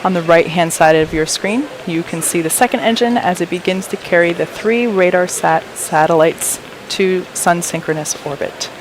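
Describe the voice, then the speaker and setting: A woman's voice: fairly low pitch, normal speed, few pauses. A woman giving explanatory live commentary as host of a rocket launch webcast. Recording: crowd and loud noise behind.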